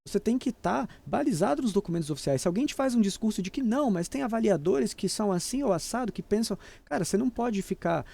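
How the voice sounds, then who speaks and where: Brazilian pilot teaching, mellow voice. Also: male voice, sits high, animated, fast talker, few pauses. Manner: explanatory, switches into crisp radio phraseology examples. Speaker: airline captain and aviation English instructor. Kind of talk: casual video lesson.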